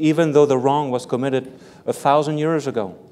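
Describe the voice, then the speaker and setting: A man with a French accent speaks at a fairly high pitch in a dark, mellow tone. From Belgium. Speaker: professor. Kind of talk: interview at a public talk. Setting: auditorium with audience.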